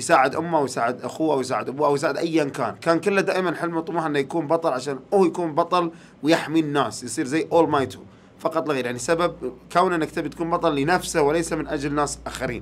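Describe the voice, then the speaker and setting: Light background noise accompanies a man's speech. He talks at a fairly quick pace with fairly even intonation. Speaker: anime reviewer. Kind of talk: commentary. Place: studio. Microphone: studio mic.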